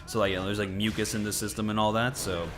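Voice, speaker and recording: A man's voice: fairly low pitch, level tone, fast, music in the background. A man giving casual, rambling gameplay commentary, a little stuffy from a cold. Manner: rambling, lots of filler words. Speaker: gaming commentator.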